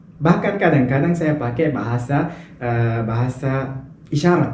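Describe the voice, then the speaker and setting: There's noticeable background noise and audible room echo around a man's voice. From Sudan. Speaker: international student vlogger. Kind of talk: personal vlog. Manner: halting, many fillers and restarts.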